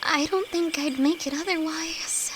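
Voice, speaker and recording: A woman's voice: very high-pitched, a little slow. A woman acting a timid, affectionate young apprentice alchemist in an intimate audio roleplay, nervous, stammering and hesitant, speaking to her best friend. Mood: anxious, grateful. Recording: insect and cricket noise behind voice. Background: night forest ambience with crickets.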